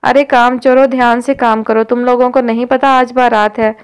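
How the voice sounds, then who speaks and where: A woman's voice: on the high side, flat delivery, clean tone, close to an everyday voice. A woman reading the lines of a bossy, scolding old grandmother in an audio novel. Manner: scolding, loud.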